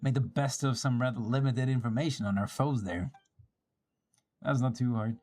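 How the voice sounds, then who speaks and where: A man's voice: mid-range voice, normal speed, darkish tone. A man live streaming a dramatic read-aloud of video game dialogue, acting out the lines and now and then stumbling over a word. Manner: theatrical, switches between character voices, stumbles and rereads lines. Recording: music behind the voice.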